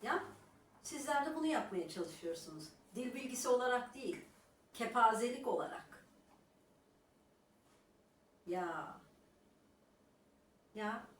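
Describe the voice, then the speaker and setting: A woman's voice: a little high, expressive, unhurried, long pauses. Scolding woman, roomy and distant. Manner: scornful, lecturing, with repeated rhetorical "Ha?". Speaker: YouTuber addressing her critics. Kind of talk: scolding monologue to viewers.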